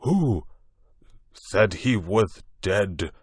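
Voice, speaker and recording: Drunk gruff guy, slurry and slow, male narrator putting him on, dry close sound. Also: on the low side, big pitch swings, no room sound, exaggerated voice. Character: drunk, gruff grown man, sluggish.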